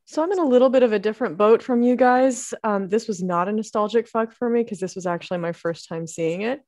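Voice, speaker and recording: A woman's voice: mid-range voice, fast talker, a little mellow, no echo, studio quality. A woman from Florida hosting a podcast, chatty and giggly as she steers the casual talk. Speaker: podcast host. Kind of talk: casual chat.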